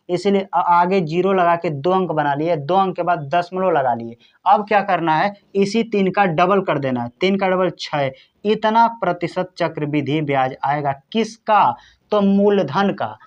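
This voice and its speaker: A man's voice: on the high side, highs cut off. A man teaching exam-prep maths, working through problems step by step and talking straight to his viewers. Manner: step-by-step explaining, addresses viewers directly.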